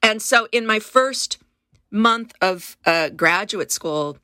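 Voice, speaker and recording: The guest, a woman in her fifties from California who grew up speaking Spanish, earnestly recounts her past in a reflective interview, often restarting. Her mid-range voice is slow, expressive, sharp, clear and resonant, with clean, echo-free studio sound.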